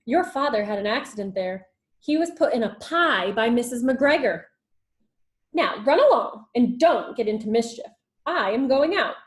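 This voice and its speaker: A woman's voice: a little high, animated, normal speed, close to an everyday voice. A woman voicing a caring but firm old mother rabbit from a storybook, in a singsong, emphatic way.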